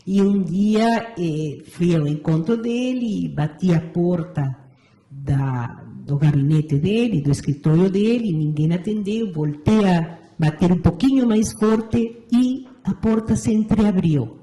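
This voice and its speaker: A woman in her sixties from Argentina with an Argentine Spanish accent, answering interview questions in a measured, thoughtful way and often adding a questioning tag. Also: fairly low pitch, mellow. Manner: measured, thoughtful, frequent "não é certo" tag. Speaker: interview guest, meditation teacher. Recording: roomy echo.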